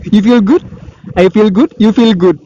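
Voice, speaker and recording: A man's voice: high voice, unhurried, dark tone. Man, young, playful joking motovlog chat, muffled helmet mic, faint wind noise. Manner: joking, playful, self-mocking. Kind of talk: rambling comic motovlog chat. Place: riding a motorcycle on city streets outdoors.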